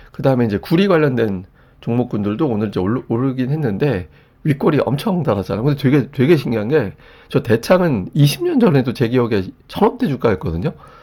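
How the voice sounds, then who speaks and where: Speaking at medium pitch, a man has a dark, mellow tone. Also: lively intonation, fairly quick pace, very clean recording, silent background. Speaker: stock market commentator. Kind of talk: market briefing monologue. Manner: casual conversational.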